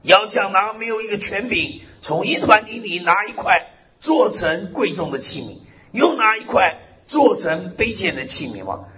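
A man preaches with lively, sweeping pitch, stretching out key phrases and dropping in amens and hallelujahs. His voice sits a little on the high side. The recording is slightly muffled, with a faint hiss underneath. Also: normal speed. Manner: swings pitch widely, drawls key phrases. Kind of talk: sermon.

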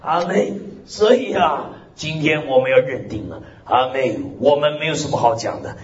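A man preaching a sermon in an animated way, drawing out key phrases and punctuating them with amens and hallelujahs. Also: normal speed. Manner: swings pitch widely, drawls key phrases. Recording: slightly dull recording with faint hiss.

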